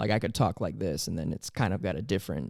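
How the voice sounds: A man's put-on character voice, guttural and very deep and low, with lively intonation at a very fast pace.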